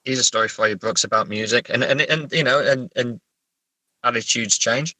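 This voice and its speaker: A man from England chatting casually as an interview guest, halting and self-correcting, with a wry way of telling stories. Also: mid-range voice, bright, forceful tone, no echo, rough recording. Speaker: horror novelist and therapist guest. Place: sitting in a parked car.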